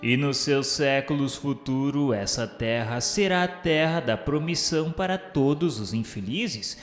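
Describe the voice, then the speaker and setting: A Brazilian man with a medium-pitched voice narrates a religious radio drama. He reads very slowly and solemnly, with literary phrasing, in echoing reverb with music behind him. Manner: solemn, measured, literary delivery.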